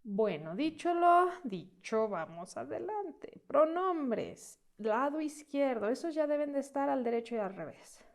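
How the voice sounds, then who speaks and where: A woman's voice: sits high, very animated. A woman teaching an online Italian lesson, patiently drilling verb forms. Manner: slow, patient drilling of conjugations.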